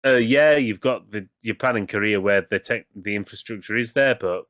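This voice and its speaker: A man's voice: fairly low pitch, normal speed, a bit bright, dry recording, studio quality. A man co-hosting a gaming podcast, talking casually in rambling, self-correcting sentences and swearing now and then. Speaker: podcast co-host.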